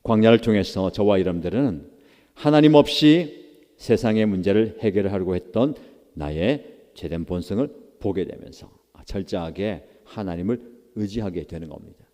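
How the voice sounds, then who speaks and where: A man's voice: lowish voice, normal speed, mellow. A man preaching a sermon at a church prayer meeting, acting out prayers and quotes with rising emphasis. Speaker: pastor. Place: church sanctuary. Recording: long church hall reverb.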